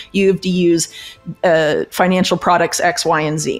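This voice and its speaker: This is an ordinary speaking voice with fairly even intonation. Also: woman. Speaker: interview guest. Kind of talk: interview answer. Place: home room. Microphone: studio mic.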